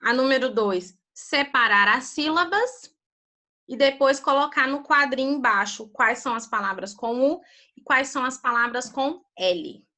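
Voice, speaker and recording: Woman teacher, online class, patient, bright clear voice, fairly high. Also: expressive. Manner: patient, drills grammar terms slowly with students. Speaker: primary school teacher. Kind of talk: online class on a video call. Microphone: video call.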